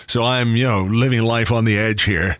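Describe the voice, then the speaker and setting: Guy with a cold, bit croaky, dry sweary jokes on his podcast, dead dry close mic. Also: mid-range voice, fairly even intonation, moderate pace, fairly bright tone, no room sound. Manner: dry, sweary, self-mocking humour. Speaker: podcast host. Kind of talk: casual football podcast chat. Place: home office. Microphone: studio microphone.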